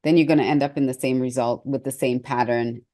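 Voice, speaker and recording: A woman's voice: very deep voice, steady tone, fairly quick, mellow. A middle-aged woman giving an earnest, conversational motivational talk as a success coach, with hesitant restarts.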